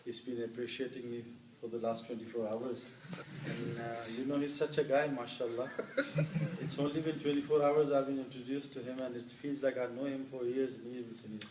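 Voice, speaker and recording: A middle-aged man from Pakistan, an interview guest and former cricketer, telling stories warmly with many fillers. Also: mid-range voice, little pitch movement, fairly quick, background noise. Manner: warm anecdotal telling with many "you know" fillers. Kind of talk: storytelling in an interview. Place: hall with an audience. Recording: roomy hall, voice picked up from a distance.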